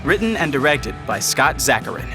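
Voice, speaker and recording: A man with a medium-pitched voice reads scripted story narration for an audio drama. Guitar music plays clearly behind him. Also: very animated, moderate pace.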